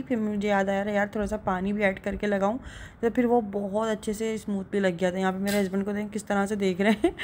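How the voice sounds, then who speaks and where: A woman's voice: on the high side, a little hiss or hum. A young woman, narrating a casual vlog voice-over in a chatty, rambling way and laughing often. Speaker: vlogger.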